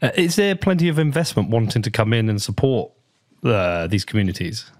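A man's voice: lowish voice, animated, a little fast. A man interviewing a guest, asking brief questions with some hesitation.

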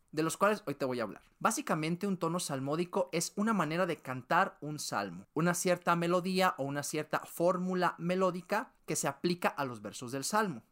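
A speaker, teaching in a calm, orderly podcast style. Terms are laid out one by one and repeated for clarity. The pitch sits in a middle range. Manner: methodical, lists and repeats terms step by step. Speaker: podcast host teaching liturgical music. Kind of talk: educational podcast explanation.

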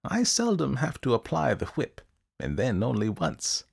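Man acting eccentric male schemer, raised gravelly voice, clipped formal diction, self-satisfied, sinister, storybook. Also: medium pitch, huge pitch swings, a little slow, darkish tone, voice pushed up, full character voice. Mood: smug, boastful. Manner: formal, precise, clipped delivery. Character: menacing, eccentric little old-fashioned schemer, self-satisfied, coughing.

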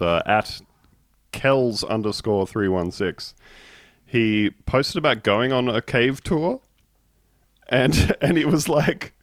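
A man's voice: on the low side, no room sound, clean studio sound. A man hosting a comedic podcast chat, telling stories in a mock-formal way.

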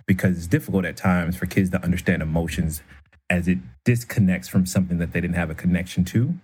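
Guy cohost chatting casually, super low husky voice but smooth radio style delivery. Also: fairly even intonation, fast, a little mellow. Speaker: podcast co-host. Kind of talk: casual conversation.

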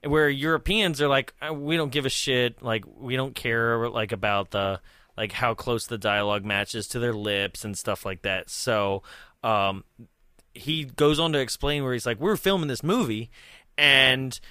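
A man's voice: medium pitch, unhurried, pushed and bright, clear, resonant tone, no echo, clean studio sound. A young man chatting casually about a movie as a podcast co-host, rambling with many fillers and frequent laughs.

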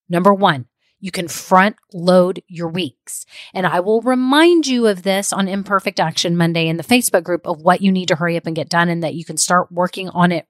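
A woman's voice: lowish voice, dry recording, studio quality. A middle-aged woman giving upbeat, encouraging, tidy step-by-step advice as a casual vlog host. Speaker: host of a business advice show.

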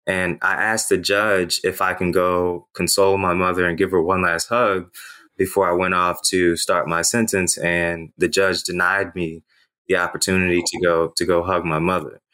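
A man in his thirties whose native language is Haitian Creole tells stories from his past as an interview guest. His very low, deep voice has a bright, forceful tone, and he speaks earnestly and reflectively, often pausing on "you know" to gather his thoughts.

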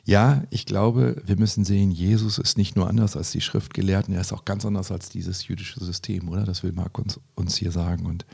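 A man talks through scripture with a partner, his voice low and rough with a gravelly edge. He keeps it conversational, tossing questions back and forth and reading verses aloud. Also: fairly even intonation, fairly quick, few pauses, a little mellow. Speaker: Bible study co-host. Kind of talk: casual Bible discussion.

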